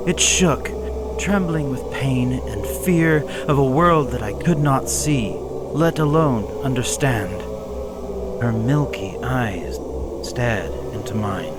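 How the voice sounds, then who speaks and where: A man slowly reading a gothic horror story aloud in a measured, somber way. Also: mid-range voice, loud music behind the voice. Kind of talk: scripted horror narration. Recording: hissy background noise.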